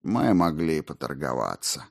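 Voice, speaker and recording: A man's voice: very deep voice, a little slow, gravelly, pitched below the performer's own voice, exaggerated voice. A man voicing a cocky, defiant schemer who brushes off accusations, in a storybook reading. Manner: indignant, then calm and dismissive.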